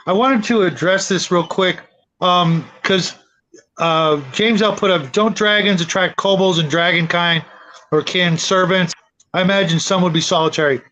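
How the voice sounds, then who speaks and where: A dull, lo-fi recording of a middle-aged man with a fairly high-pitched voice. He chats casually as a co-host of a gaming show, meandering and halting as he works toward his point. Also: fairly even intonation, sharp tone. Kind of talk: casual chat. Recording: dull lo-fi voice chat audio.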